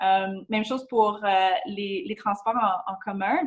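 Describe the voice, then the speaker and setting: A woman in a Quebec accent at medium pitch, with fairly even intonation and a fairly slow pace. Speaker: workshop facilitator. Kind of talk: interactive webinar presentation. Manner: halting, many fillers.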